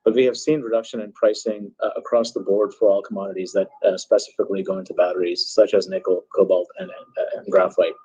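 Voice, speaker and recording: Husky low-voiced man talking quickly. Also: flat delivery, warm tone. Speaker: company executive. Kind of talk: unscripted earnings call answer. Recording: muffled, band-limited conference call audio.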